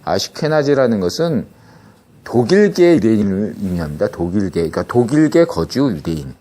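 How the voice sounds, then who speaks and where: This middle-aged podcast host has a lowish, warm voice and is very animated, keeping a moderate pace. He explains a subject in a relaxed monologue, repeatedly stopping to start over and tossing in rhetorical checks like "예?" for the audience.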